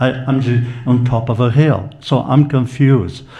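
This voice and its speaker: With a non-native accent, the speaker talks at a fairly slow pace with fairly even intonation amid audible room echo. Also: man. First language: not English. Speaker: local resident speaking at public meeting. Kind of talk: public comment at town meeting. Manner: halting.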